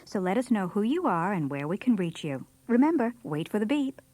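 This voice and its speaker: A woman's voice: medium pitch, very animated, fairly quick, dark tone, no room sound. A woman delivering scripted answering machine greetings in a performed way.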